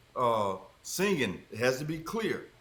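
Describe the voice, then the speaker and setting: With an American accent, a man talks at a very slow pace and a fairly high pitch, his intonation lively, against audible room echo. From Detroit, US Midwest. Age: 70s. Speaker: veteran singer and saxophonist. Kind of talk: podcast interview.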